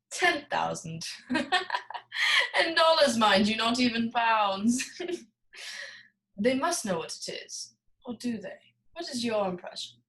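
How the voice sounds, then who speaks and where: A woman's voice: fairly high pitch, sing-song, takes it slowly, pauses often, a bit bright, exaggerated voice, low-quality recording. A woman acting a jovial, wordy, scheming male crime boss in a film noir radio play, florid and theatrically genial. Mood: amused, intrigued.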